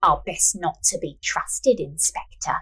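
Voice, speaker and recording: A woman voicing a calm, mysterious fortune teller in an audio story, speaking softly and slowly with quiet authority. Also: lowish voice, breathy edge, exaggerated voice, low-quality recording. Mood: mysterious, measured. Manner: slow, soft, authoritative delivery.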